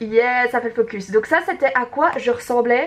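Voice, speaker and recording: Fairly slow and with lively intonation, a woman speaks in a high voice. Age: 20s. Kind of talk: casual talk to camera. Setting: home, no external microphone.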